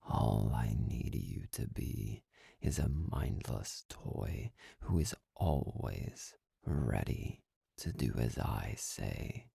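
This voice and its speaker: Guy acting as a bossy smug master for asmr, super breathy n husky, dark close dry sound, mocking and slow, kinda whispery. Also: a bass voice, animated, dry recording, heavily acted. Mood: cold, commanding. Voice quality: breathy, gravelly, often dropping into whisper. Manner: slow, condescending, commanding. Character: arrogant, domineering young male master, cold and mocking. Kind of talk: intimate ASMR roleplay monologue.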